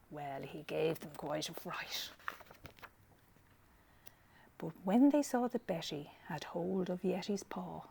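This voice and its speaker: Woman, lower pitch, noticeable creak, expressive picture-book reading, asides to children. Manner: expressive, addressing young listeners with asides. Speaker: library storyteller.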